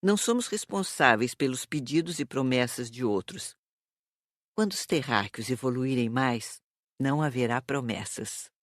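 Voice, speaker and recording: A woman with a Brazilian accent playing a calm, didactic spirit teacher in an audiobook drama. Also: a bass voice, no echo, studio quality. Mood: instructive, earnest. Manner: didactic, measured.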